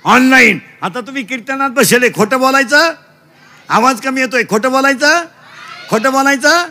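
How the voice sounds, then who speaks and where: A middle-aged man preaching a comic kirtan. He shouts questions to the children and mixes broken English into his lessons. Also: extremely high pitch, moderate pace, slight background noise. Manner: shouting call-and-response with children.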